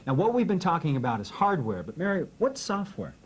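A man's voice: fairly high pitch, sing-song, fairly quick, husky. Folksy American man co-presenting. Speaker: training video co-presenter. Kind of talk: scripted question-and-answer dialogue. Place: indoor studio set.

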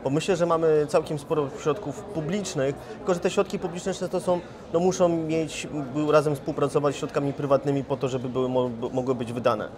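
A man in his forties, a firm's chief executive, answering interview questions in a measured way, often restarting his sentences. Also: on the high side, steady tone. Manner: measured, with frequent restarts and fillers. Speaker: investment firm chief executive. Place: conference hall in front of a sponsor wall. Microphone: lapel mic. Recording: conference crowd noise. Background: crowd chatter.

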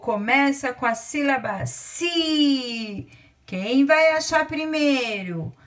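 A woman teacher, from Brazil with a Brazilian Portuguese accent, dictating words to young children, counting aloud and stretching each word out slowly. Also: high voice, lively intonation.

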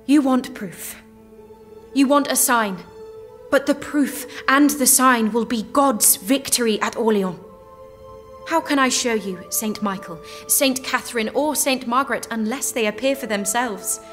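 An earnest young maiden of faith in an audio drama, devout and unbending. She declares her calling in fervent, plain statements over clearly audible music. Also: a little high, a little slow, fairly bright tone. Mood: defiant. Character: devout, defiant young peasant maiden called by God.

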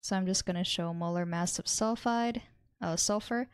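A woman in her twenties giving a chemistry tutorial, explaining step by step in a measured way. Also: on the low side, clean tone, no echo, studio quality. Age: 20s. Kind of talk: instructional tutorial, working through a problem. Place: small indoor room at a desk.

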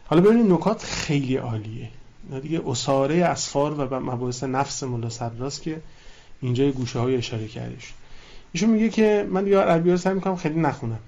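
A man's voice: mid-range voice, expressive, vocal fry, dark tone, highs cut off, a little hiss or hum. Man giving a colloquial religious lecture. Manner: colloquial, repetitive teaching with quoted Arabic phrases. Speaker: cleric lecturing on a religious book.

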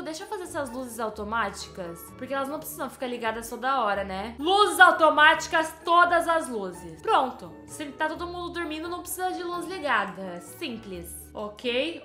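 A woman narrates her gameplay in a high, bright voice. She is excitable, scolding and chatting with the characters on screen. The room around her is roomy, with game music underneath. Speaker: gameplay host. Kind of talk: casual gameplay commentary.

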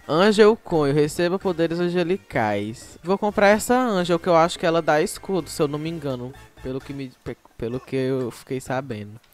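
A Brazilian-accented YouTube gamer chatting to viewers while playing, with frequent exclamations and sudden shrieks. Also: mid-range voice. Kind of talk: casual gameplay commentary.

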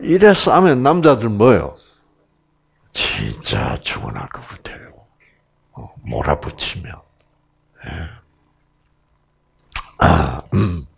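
A male lecturer teaches a Bible lesson at a deliberate, unhurried pace. His voice is gravelly and husky, with sweeping pitch swings. He draws the audience in with constant rhetorical questions. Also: wildly swooping pitch.

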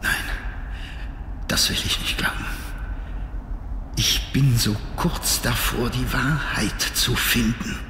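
An actor playing a troubled, scholarly diarist in a horror adventure game, speaking in a solemn, formal, dramatic manner. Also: male voice, medium pitch, fairly even intonation, takes it slowly, pauses often, lightly acted. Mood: anguished. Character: troubled scholarly male diarist, obsessed and fearful. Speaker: game character reading a diary. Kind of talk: dramatic scripted narration. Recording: echoey hall reverb, background noise.

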